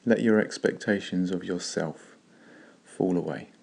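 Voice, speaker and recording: A man leading a guided meditation in a slow, calm, gentle way with long pauses. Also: deep voice, vocal fry, slightly rough.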